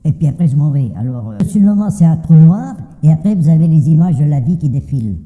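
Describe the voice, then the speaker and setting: A man's voice: fairly high pitch, animated, quick pace, mellow. An older man giving a casual personal testimony in a colloquial, plain-spoken way, often repeating words hesitantly. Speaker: interviewee giving an anonymous testimony. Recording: very muffled, reverberant hall-like sound.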